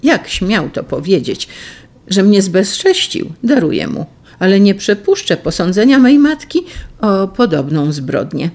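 A reader voicing a proud young man on the run in an audiobook, solemn and resolute, with some vocal fry. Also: sits high, very animated, measured pace, voice pushed up, full character voice. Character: young outlaw lover, proud and defiant. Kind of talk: audiobook reading.

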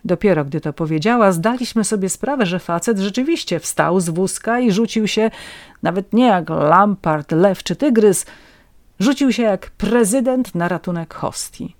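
A woman's voice: mid-range voice, expressive, normal speed, darkish tone, no room sound, studio quality. A woman narrating a first-person story in a wry, ironic storytelling manner.

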